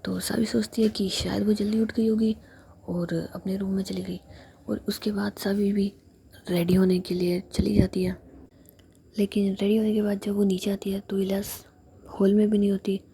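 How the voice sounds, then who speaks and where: A woman retelling a story in a steady, continuous whisper. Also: mid-range voice, moderate pace, gravelly, slight background noise.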